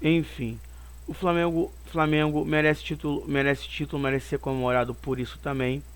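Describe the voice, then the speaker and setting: A hoarse man with a Brazilian Portuguese accent, hosting his own football channel and rambling opinionated commentary on a match, circling back on his points. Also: fairly high pitch, level tone, moderate pace. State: hoarse from a cold.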